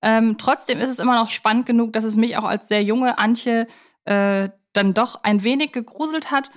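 A woman's voice: a little high, normal speed. A woman co-hosting a podcast in a studio, discussing films casually in an enthusiastic, reflective way.

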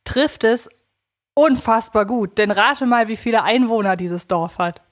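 A woman's voice: a little high, measured pace. A woman co-hosting a podcast, analysing a story conversationally in a frank and opinionated way. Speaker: podcast co-host. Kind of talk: conversational analysis of an audio drama.

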